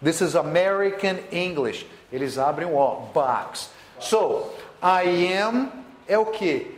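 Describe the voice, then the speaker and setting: A man's voice: sits high, animated, slow pace, roomy sound. A man with a Brazilian accent teaching English in a classroom, drilling words with repetition and switching between English and Portuguese. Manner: plays imagined student questions. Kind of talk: classroom video lesson.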